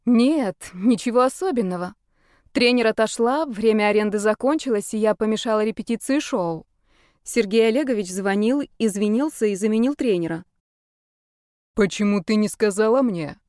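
A woman's voice: on the high side, moderate pace, a little mellow, no echo, clean studio sound, natural voice. A woman reading the lines of a blind young woman of about twenty, defensive and exasperated with her father. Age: young adult.

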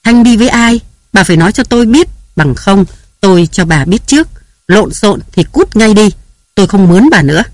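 A man's voice: sits high, animated, brisk, no room sound. A man reading aloud who voices a jealous, domineering young husband barking harsh commands and threats.

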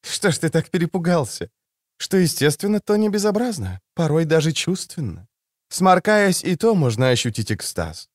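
A man's voice: on the high side, big pitch swings, normal speed, no echo, studio quality, voice pushed up. A man reading an audiobook, voicing a languid, provocative adult woman in a scheming mood. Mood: teasing. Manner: drawling, provocative.

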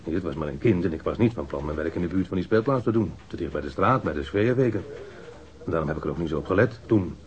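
A dull, lo-fi radio drama recording of a male street robber being questioned. He has a low voice and talks in rough slang, halting and protesting as he defends himself. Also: expressive, slight background noise. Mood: earnest, insistent. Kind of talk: radio crime drama acting.

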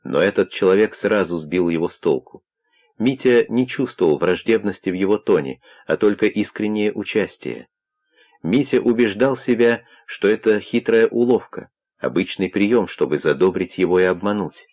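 A man narrating an audiobook in a measured, even reading. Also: fairly low pitch.

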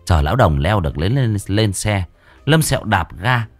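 A man narrates a comic tale in a lively, colloquial way. His voice is low but moves a lot, with music playing faintly behind. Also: normal speed, dry recording. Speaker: storyteller. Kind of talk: comic storytelling.

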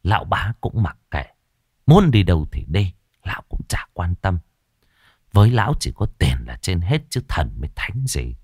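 Male ghost-story narrator, lively and low. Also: normal speed, breathy edge, no echo, studio quality.

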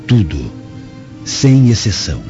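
An actor playing a proud, vengeful Jewish father in a radio drama, solemn and measured as if reading a letter. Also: lowish voice, very animated, muffled recording, loud music behind the voice. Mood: vengeful resolve.

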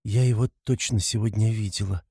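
A timid poor young woman who pleads in soft, halting, flustered words, as a male reader raises his voice to play her. The tone stays mellow and dark-edged under the lifted pitch. The recording is close and dry. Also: fairly even intonation, gravelly, breathy edge, no room sound. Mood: shy.

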